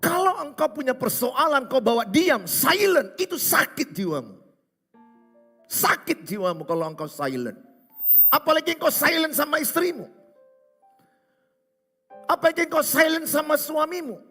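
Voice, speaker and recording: A pastor preaching a sermon, hammering points home with repetition and rhetorical questions. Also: male voice, very high-pitched, sing-song, moderate pace, long pauses, pushed and bright. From Indonesia. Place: large church hall. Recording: reverberant church hall with music.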